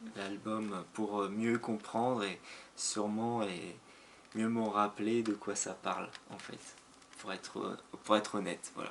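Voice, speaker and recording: Soft-spoken and fairly low in pitch, a man talks at a very slow pace in a monotone, flat delivery broken by long, frequent pauses. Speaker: ASMR creator, guest. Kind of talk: ASMR soft-spoken chat. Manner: soft-spoken, hesitant.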